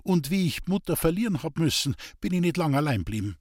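A man's voice: fairly high pitch, very animated, brisk, darkish tone, no echo, clean studio sound, voice pushed up. A man voicing a bitter old Bavarian village woman. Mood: weary, bitter. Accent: Bavarian dialect. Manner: plaintive, bitter, resigned.

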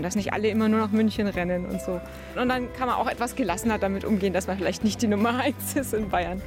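A woman, a former teacher, talking chattily and proudly in an interview. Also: medium pitch.

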